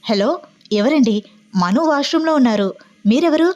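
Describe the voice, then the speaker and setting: A woman's voice: high voice, lively intonation, normal speed, warm tone, lo-fi sound, voice pushed up. A woman voicing a curious young man who picks up a ringing phone, questioning. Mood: puzzled.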